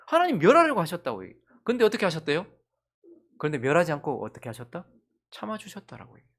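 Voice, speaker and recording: Gyeongsang woman pastor, lively swooping pitch, rhetorical questions to the pews. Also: racing. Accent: Gyeongsang Korean. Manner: animated, full of rhetorical questions to the congregation. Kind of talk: sermon.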